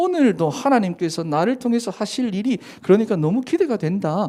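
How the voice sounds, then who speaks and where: A man with a high pitch and a dark, mellow tone talks at a moderate pace, his pitch swinging very widely. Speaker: pastor. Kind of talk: sermon. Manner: animated.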